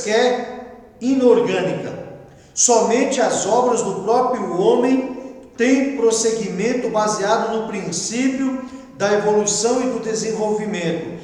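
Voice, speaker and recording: A Brazilian man teaching a Bible class as pastor, reading a text and explaining it in a conversational way with quiet asides. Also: sits high. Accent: Brazilian Portuguese. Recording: echoey room with long reverb.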